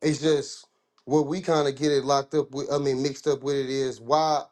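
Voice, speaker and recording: A man's voice: medium pitch, little pitch movement, moderate pace, a little mellow. A man from the American South with a Southern accent, talking in a casual discussion, rambling and restarting his sentences in informal speech.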